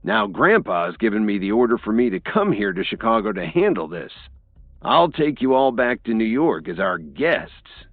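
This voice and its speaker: A man's voice: low-pitched, sing-song, normal speed, hardly any pauses, no echo. A man voicing an arrogant, furious middle-aged man in an audiobook, growling and domineering. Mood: snarling. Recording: dry, tinny phone-like sound.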